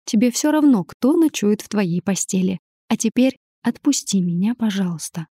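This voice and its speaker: A woman's voice: mid-range voice, lively intonation, moderate pace, dark tone, slightly rough, no room sound, studio quality. A woman voicing a frightened but defiant young heroine, tearful and pleading.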